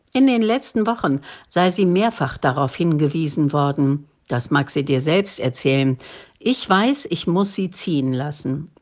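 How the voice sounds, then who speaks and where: A woman voicing a worried elderly father who speaks hesitantly and anxiously in a low, unhurried voice. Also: a little mellow. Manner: hesitant, then overwhelmed.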